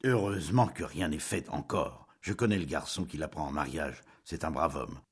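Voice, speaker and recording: A man voicing an angry, greedy young husband who shouts indignantly in an audiobook. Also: rumbling low, normal speed, breathy edge. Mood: stern.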